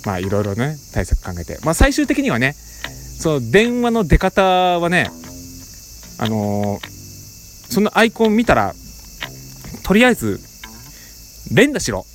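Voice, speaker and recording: Animated middle-aged man telling stories. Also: on the high side, measured pace, long pauses, a little hiss or hum. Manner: animated, playful sound effects, rough casual speech. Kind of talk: casual storytelling monologue.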